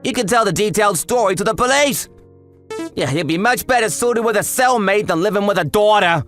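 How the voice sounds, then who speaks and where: A man voicing a sharp, accusatory office coworker in a comic dub, with a theatrical, taunting delivery. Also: high voice, lively intonation, fairly quick. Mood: smug. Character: sharp, accusatory male coworker exposing a liar. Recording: voice over background music.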